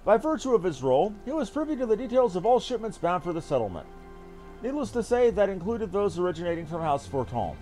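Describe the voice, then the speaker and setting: Dutiful army captain, acted by a man, formal archaic report, lively high voice, video game fantasy. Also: quick pace. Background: game music.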